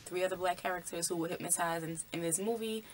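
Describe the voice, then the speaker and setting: A woman vlogger talks through a film's symbolism in a loose, conversational way, full of ums and likes. Her voice is low-pitched. A faint noise runs behind her. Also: steady tone, fast. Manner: conversational, many fillers like "um" and "like". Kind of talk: casual film commentary.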